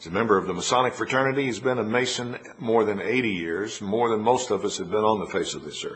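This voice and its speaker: A man at medium pitch talking very fast with hardly any pauses and ordinary pitch variation, amid noticeable background noise. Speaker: interviewer, Freemason. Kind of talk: interview questions.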